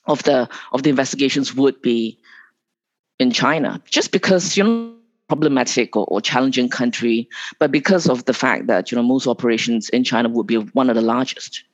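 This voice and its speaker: A man's voice: medium pitch, fairly quick. A man from Malaysia, a guest lawyer in an interview, talking casually with many restarts and fillers. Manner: hesitant, many restarts and fillers, laughs often. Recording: dull lo-fi remote audio.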